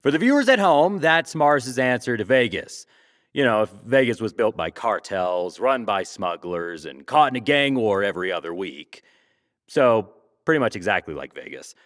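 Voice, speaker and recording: An actor playing a glib, teasing talk show host in a sci-fi audio drama, wry, theatrical and probing. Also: male voice, medium pitch, fairly bright tone.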